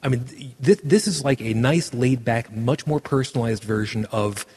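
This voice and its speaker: Husky podcast host in reverb. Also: male voice, medium pitch, normal speed, a little mellow. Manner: rambling, many "uh" fillers. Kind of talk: casual chat and show sign-off.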